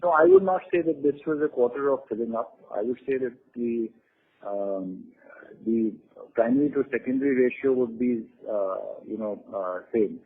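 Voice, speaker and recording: A man speaking as a company executive, giving halting, measured, unscripted answers on an earnings call over the phone. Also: medium pitch, very animated. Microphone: phone conference line. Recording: tinny phone-line conference call.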